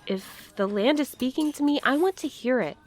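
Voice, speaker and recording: A woman playing an earnest, conciliatory but determined friend in a naturalistic audio drama, speaking gently and with care. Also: high voice, animated, normal speed. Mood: earnest, resolute.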